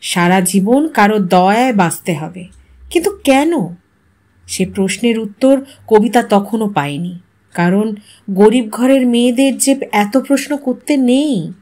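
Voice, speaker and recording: A woman with a distinctly high voice narrates a short story. Her delivery is scripted and dramatic, with expressive phrasing that leans into rhetorical questions. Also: measured pace.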